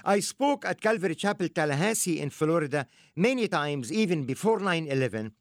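A man's voice: on the high side, animated, fairly quick, dry recording, clean studio sound. A man preaching with fervor, an evangelist and author speaking in a sing-song style. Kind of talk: preaching and promoting his book.

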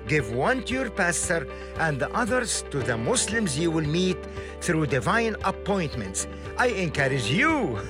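A man preaching with fervor, an evangelist and author speaking in a sing-song style. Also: sits high. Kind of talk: preaching and promoting his book.

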